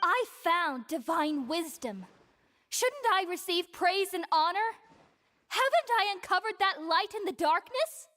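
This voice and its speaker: An actress playing a deranged, desperate religious zealot in a video game, fervent and theatrical. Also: female voice, extremely high pitch, big pitch swings, unhurried, bright, forceful tone, heavily acted. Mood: hurt, frantic. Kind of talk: dramatic video game acting.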